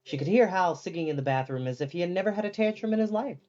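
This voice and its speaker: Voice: mid-range voice, lively intonation, quick pace, darkish tone, highs cut off, soft background music. A storyteller reading a fantasy novel aloud as scripted storybook narration.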